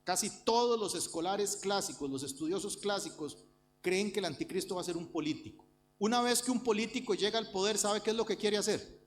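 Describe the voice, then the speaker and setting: A man's voice: sits high, brisk, slight background noise. A man from Rica, preaching a sermon and Bible study to his congregation with earnest, repetitive emphasis. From Costa Rica. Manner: earnest preaching, addresses the congregation directly, repeats phrases for emphasis. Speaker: pastor.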